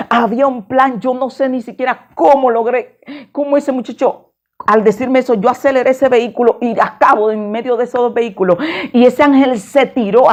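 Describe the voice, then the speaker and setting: A woman's voice: on the high side, muffled recording. Woman pastor telling a dramatic testimony. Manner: dramatic storytelling, acting out voices. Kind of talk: sermon testimony.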